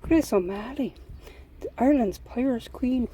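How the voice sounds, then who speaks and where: Woman, Irish accent, home vlog chat, rambling, self-mocking, mellow tone. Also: a little high, animated, a little slow, slight background noise, poor audio. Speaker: vlogger. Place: at home, indoors.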